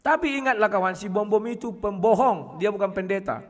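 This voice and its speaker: Guy with a highish voice ranting at his viewers, keeps clearing his throat, reverby room. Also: expressive, a little fast. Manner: combative, addresses listeners as "kawan", frequent throat clearing. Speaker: online video host. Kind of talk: casual monologue to viewers.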